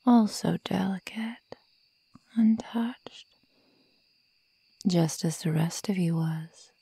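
A woman voicing a sadistic young female werewolf in a slow ASMR roleplay, whispery and breathy, taunting and menacing her prey. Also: on the low side, mellow, dry recording, heavily acted. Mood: cruel, playful. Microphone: close microphone, dry.

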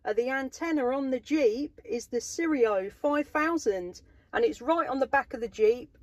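A woman's voice: high voice, animated, moderate pace, no room sound. An enthusiastic woman with a southern English accent, chatting on CB radio from inside a vehicle. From England. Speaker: mobile CB radio operator. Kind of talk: casual radio contact chat. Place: inside a parked or moving vehicle.

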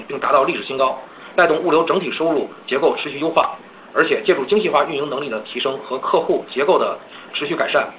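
A man formally delivering prepared executive remarks on a corporate earnings call. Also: a little high. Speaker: company executive. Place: conference call. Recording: dull conference call, faint noise.

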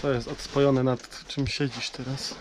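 A man leading the way through a cramped cave passage, calmly giving short practical directions. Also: mid-range voice, unhurried. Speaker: caver leading the route. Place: tight limestone cave passage. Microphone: helmet or handheld action camera. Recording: noisy cave camera audio.

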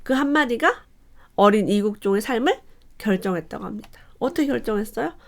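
A woman hosting a casual book review for parents, reading quotes aloud in a lively, animated way. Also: on the high side, a little fast, vocal fry.

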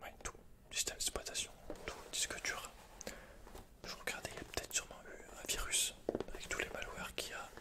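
A young man playing a guarded computer repairman and hacker in a halting, breathy whispered ASMR roleplay. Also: natural voice. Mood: reserved, matter-of-fact. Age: young adult. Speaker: ASMR creator. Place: small indoor set, dark backdrop.

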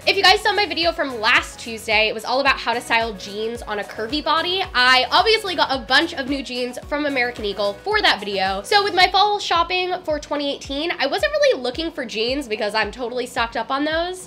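A young woman vlogging a clothing try-on haul in a bubbly, chatty way, her voice a little raspy from a recent strep throat. She talks to a camera in a small decorated room. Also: high voice, sharp tone. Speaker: fashion vlogger. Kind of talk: upbeat try-on haul vlog.

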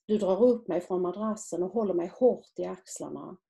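A woman author reading aloud from her own novel in a measured, quiet literary manner. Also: on the low side, vocal fry.

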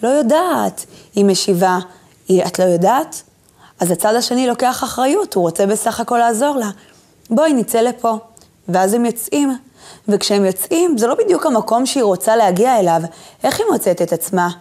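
A woman giving a motivational lecture on self-image. She speaks directly to the viewer and leads her through breathing exercises with gentle instructions. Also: on the high side, expressive.

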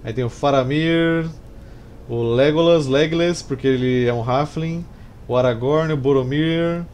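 A Brazilian-accented gameplay streamer in his thirties casually comments on a strategy game, using informal, slangy speech. His voice is on the high side, unhurried, and a little mellow, recorded in a small indoor room with clear background noise of game sounds and ambience.

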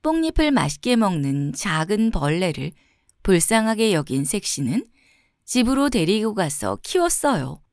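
A woman reads a folk tale aloud as a bedtime story. Her delivery is soft and expressive, and her pitch moves a great deal. The recording is close and dry. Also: normal speed, no echo.

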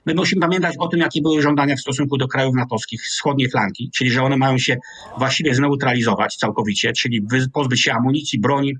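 A man in his sixties with a Polish accent, a military analyst explaining at a measured pace over a video call from a small home office. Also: mid-range voice, fairly even intonation, fairly bright tone, slightly rough, no echo. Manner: measured, explanatory, restarts mid-word. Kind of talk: analytical interview commentary. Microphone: video call webcam.

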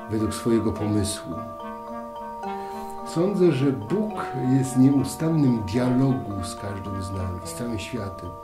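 A priest in his fifties giving a thoughtful spiritual talk to camera, asking questions and then settling into quiet answers. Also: mid-range voice. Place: dim room at a table, indoors. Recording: roomy echo, faint music.

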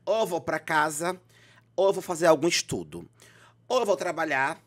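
A man's voice: fairly high pitch, expressive, normal speed, fairly bright tone. A young man as a podcast guest in casual chat, playful, campy and theatrical as he tells stories.

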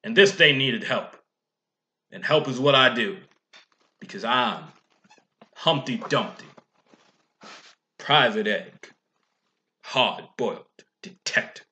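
A young man acts out a hard-boiled private-eye egg in a noir detective monologue. The voice is forceful and bright at a middling male pitch. The delivery is wry, world-weary and theatrical, with phrases drawn out for drama. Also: slow, pauses often. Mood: softened, earnest. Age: young adult. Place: small room indoors.

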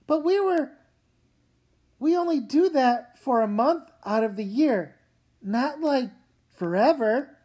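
A woman's voice: sits high, lively intonation, takes it slowly, long pauses, warm tone, heavily acted. A woman voicing a stubborn, argumentative young girl, an older sister in a comic read-aloud. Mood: resentful.

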